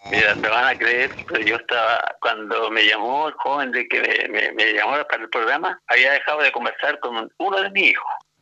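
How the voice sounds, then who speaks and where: A man keeps talking at a moderate speed, barely pausing at all. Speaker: former footballer and youth coach. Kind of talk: radio interview. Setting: phone call. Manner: halting.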